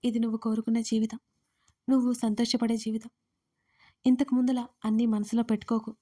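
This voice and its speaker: A woman's voice: a little high, little pitch movement, brisk, dark tone, close to an everyday voice. A woman voicing a playful young woman who teases her sister-in-law in an audio story. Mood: earnest. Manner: teasing, mock-dramatic.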